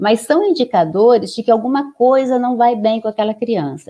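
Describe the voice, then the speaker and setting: A woman speaks at a fairly high pitch with lively intonation. Her tone is dark and mellow. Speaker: educator. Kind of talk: panel discussion.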